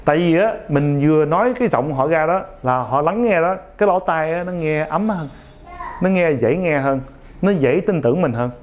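This man's pitch is fairly high and his delivery expressive, though the recording sounds muffled. He gives young viewers an informal pep talk, stumbling along with many fillers, a less-than-perfect accent, and plenty of "ok?".

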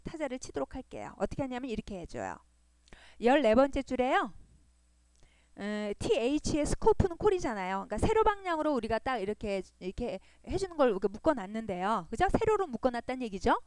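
Woman, web design instructor, patient, repeats herself, high voice, dry close recording. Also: big pitch swings, fairly quick, a little mellow, clear, resonant tone, no room sound. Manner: patient, repeats points and checks in with "그죠?". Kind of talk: screen-recorded coding tutorial.

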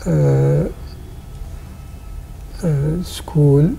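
An older man speaks very slowly in broken English, stopping often to find words. His voice is gravelly, dark and husky. He is miked on a lapel in a studio. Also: a little high, steady tone, slight background noise, poor audio. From Iraq. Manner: halting non-native English with frequent pauses. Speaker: guest artist. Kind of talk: interview answers. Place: television studio.

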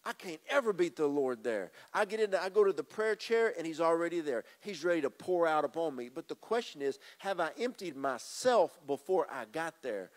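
Speaking on a church stage with a drum kit, a middle-aged pastor preaches into a handheld mic, moving about and gesturing as he addresses the congregation. His voice is on the high side with big pitch swings, at normal speed with hardly any pauses. He is emphatic and repeats phrases.

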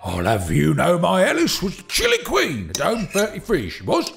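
A man plays an excitable, folksy older working man in a radio play. His voice is high and gravelly, with huge swings of pitch. He stammers and rambles good-naturedly over faint music. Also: moderate pace, heavily acted. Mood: animated, indignant. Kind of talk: audio drama acting.

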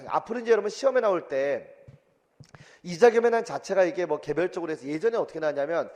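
A man teaching an exam-prep history lecture in a lively, colloquial way, full of asides and rough everyday speech. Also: sits high, brisk, long reverb tail. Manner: lively, colloquial, acts out quotes with swearing.

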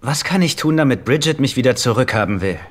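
An actor plays a childlike, guileless young man in a dubbed sitcom. His mid-pitched male voice swings freely as he talks. The recording is clearly noisy. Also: lively intonation, fast talker, natural voice. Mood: earnest. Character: naive, boyish rich young man, lovesick and childlike. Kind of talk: German-dubbed sitcom acting.

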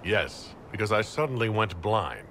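An actor playing a wry, good-humoured, teasing commander hero in a video game. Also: male voice, on the low side, very animated, unhurried, a bit bright, slight background noise, full character voice. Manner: dry, teasing.

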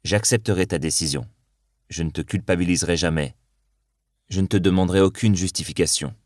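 A man reading the lines of a patient, loving young woman in an audiobook, in a soft, earnest way. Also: deep voice, brisk, no room sound, studio quality, close to an everyday voice. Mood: tender.

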